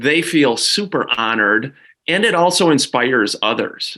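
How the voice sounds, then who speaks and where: Against a quiet background, a man with a Minnesotan accent speaks fairly slowly in a fairly high voice with a bright, sharp tone. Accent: Minnesota. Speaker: real estate team leader. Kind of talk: panel discussion.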